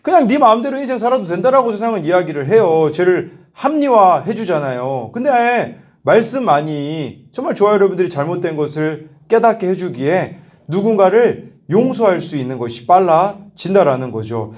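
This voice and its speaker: Animated high-voiced man preaching to youth. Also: normal speed. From South Korea. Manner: animated storytelling, laughs often, acts out voices in quotes. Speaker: youth pastor. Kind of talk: lively youth sermon with family stories.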